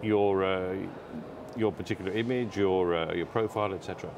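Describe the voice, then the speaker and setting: A man in his forties interviews a guest at a trade event, stumbling and repeating words as he shapes his questions. His voice sits a little low, with a faint background noise. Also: a little fast, darkish tone. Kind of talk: conference interview. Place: exhibition booth studio set.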